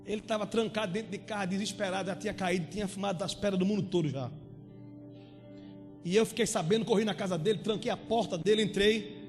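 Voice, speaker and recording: A man preaches with a high, lively voice and acts out the people in his story. His voice rings through a church hall with a long echo, and soft music plays behind him. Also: fast talker. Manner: animated, acts out dialogue in the story. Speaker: pastor. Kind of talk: sermon storytelling.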